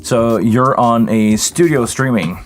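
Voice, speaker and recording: At medium pitch and a slow pace, a weary man from Quebec, Canada, chats with livestream viewers by name during a casual Q&A, faint music in the background. A live sound engineer, he notes his voice is deeper than usual this morning.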